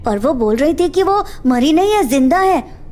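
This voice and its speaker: A woman's voice: sits high, lively intonation, normal speed, a little mellow, slight background noise. A woman voicing a stammering scared boy. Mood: nervous. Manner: stammering, nervous. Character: frightened young boy, curious.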